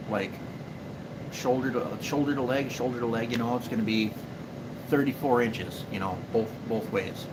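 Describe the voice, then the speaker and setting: Answering viewers on his live stream, a beaver trapper from Minnesota chats loosely, rambling along with fillers and false starts. He's in his forties, has an Upper Midwest accent and a mid-range voice, and background noise can be heard.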